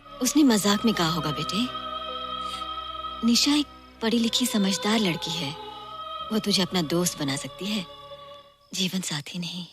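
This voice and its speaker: A woman's voice: on the low side, animated, unhurried, pauses often, over music. A soothing middle-aged mother. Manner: soothing, coaxing. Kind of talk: Hindi film dialogue.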